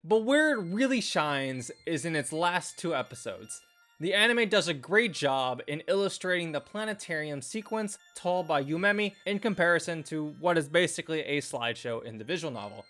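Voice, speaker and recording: High-voiced man narrating a review. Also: very animated, moderate pace, a bit bright. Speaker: anime and visual novel reviewer. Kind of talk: scripted video review narration. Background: background music.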